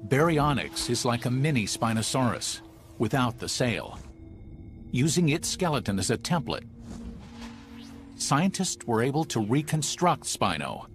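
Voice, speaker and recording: A man's voice: mid-range voice, sing-song, measured pace. A man narrating a nature documentary in a scripted, dramatic and emphatic style. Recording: music under the voice. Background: dramatic background music.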